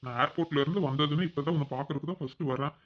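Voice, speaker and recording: A man's voice: fairly high pitch, steady tone, racing, dull audio, lightly acted. A man voicing a young husband back from abroad in a cartoon, tenderly soothing his tearful wife. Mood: doting, soothing. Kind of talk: cartoon voice acting.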